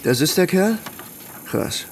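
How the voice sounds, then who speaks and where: An actor playing a blunt younger brother being questioned by police in an audio drama, talking in loose slang. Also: male voice, high voice, sing-song, slow, creaky, noisy background, full character voice. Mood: stunned. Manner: colloquial, blunt. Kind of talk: German radio play dialogue.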